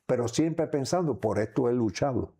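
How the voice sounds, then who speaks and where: Older Cuban man with a dark, soft tone. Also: mid-range voice, animated, breathy edge. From Cuba. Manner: halting, rambling phrasing. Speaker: interview guest recounting memories. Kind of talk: reflective personal testimony in conversation.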